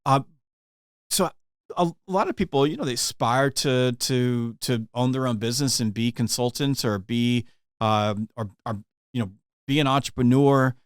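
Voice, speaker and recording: A man's voice: mid-range voice, normal speed, clear, resonant tone, dry recording, studio quality. A man hosting a sales podcast, interviewing a guest in an enthusiastic, conversational way. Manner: enthusiastic, conversational, some restarts. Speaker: podcast host.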